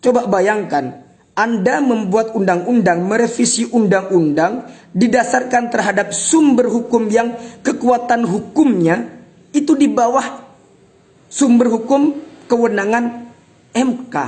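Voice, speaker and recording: A man with an extremely high pitch speaks at a fairly slow pace with ordinary pitch variation, amid noticeable background noise and audible room echo. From Madura, Pamekasan. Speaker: legal practitioner. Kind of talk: political commentary monologue.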